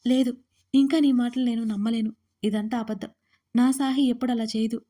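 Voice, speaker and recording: A woman's voice: fairly high pitch, steady tone, fairly quick, warm tone, close to an everyday voice. A woman reading a betrayed, tearful young woman. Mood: pleading. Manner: tearful, reproachful.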